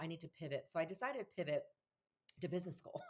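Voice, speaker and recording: Speaking fast-ish with a General American accent, a woman sounds animated, her medium pitch making very wide swings at a fairly quick pace. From US, Korean American. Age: 50s. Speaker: marriage and family therapist, author. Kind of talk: podcast interview.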